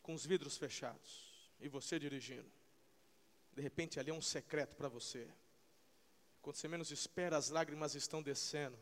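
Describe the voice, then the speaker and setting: A man preaching a sermon, emphatic and repetitive, swinging between loud, fervent peaks and slow, hushed passages. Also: a little high. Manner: emphatic, repeats phrases, frequent hallelujahs. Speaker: pastor. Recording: long hall reverb.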